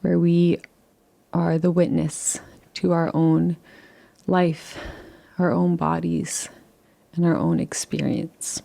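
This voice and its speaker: Meditation guide, woman: low-pitched voice with vocal fry, soft and unhurried, gently inviting. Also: level tone. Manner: soft, unhurried and soothing, with long pauses; gently invites rather than instructs. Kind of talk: guided relaxation.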